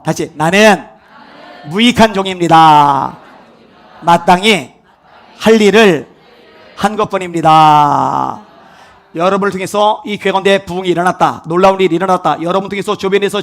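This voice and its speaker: A man preaching from the pulpit in a notably high voice. He rises to loud, emphatic peaks and then drops to hushed, close asides. His delivery is that of a sermon to a congregation. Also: gravelly. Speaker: pastor.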